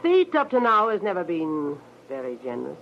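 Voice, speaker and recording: A woman's voice: lowish voice, sing-song, a little fast. A woman acting a middle-aged widowed mother and innkeeper, fatalistic and pointedly courteous, in a 1940s radio drama. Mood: ominous, fatalistic. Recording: muffled old radio recording, faint noise.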